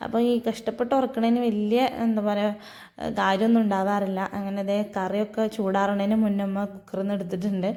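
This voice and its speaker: A woman's voice: medium pitch, little pitch movement, fairly quick, warm tone. A young woman, telling her day in a chatty, storytelling vlog voice-over. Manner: chatty, storytelling, frequent tag "ട്ടോ". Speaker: vlogger.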